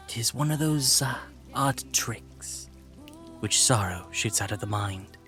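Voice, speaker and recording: A man's voice: mid-range voice, slow, bright, forceful tone, faint music behind. A man acting a loyal, blunt veteran soldier and wry adviser in a Shakespearean audio drama. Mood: wry aside.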